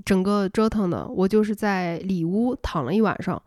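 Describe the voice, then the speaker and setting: A woman's voice: mid-range voice, normal speed, no room sound. Casual storytelling woman, laughs a lot, dry voice. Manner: animated, laughs often, acts out quoted lines. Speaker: podcast host.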